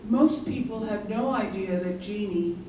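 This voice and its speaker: A woman's voice: medium pitch, unhurried, mellow, close to an everyday voice. A woman reading as an ensemble narrator in a scripted staged play reading. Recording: very echoey stage, distant mic, noise.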